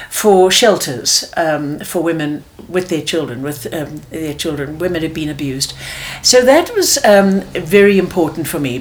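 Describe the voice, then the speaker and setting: Woman, South African accent, middle-aged, passionate interview answer, lowish pitch. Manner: passionate, earnest, with many restarts. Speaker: theatre producer.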